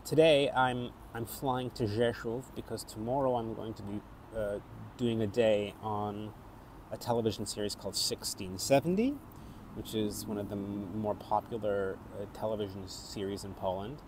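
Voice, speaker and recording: A middle-aged man with a North American accent, an actor reflecting on his life in a thoughtful, halting way with frequent restarts. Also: lowish voice, steady tone, background noise. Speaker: actor and theatre maker. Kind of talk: reflective personal vlog.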